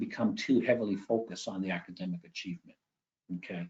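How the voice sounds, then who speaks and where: A man's very fast, lively speech in a Boston accent. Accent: Boston accent, dropped R's. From Boston area. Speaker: education professor and speaker. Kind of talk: webinar presentation.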